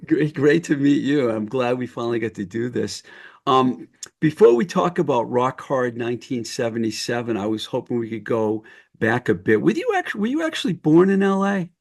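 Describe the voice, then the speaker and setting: A man's voice: mid-range voice, sing-song, normal speed, gravelly, a little mellow. A man hosting a casual podcast interview, eager and admiring as a fan. He often restarts and rephrases his questions mid-sentence. He speaks over a video call. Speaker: podcast host.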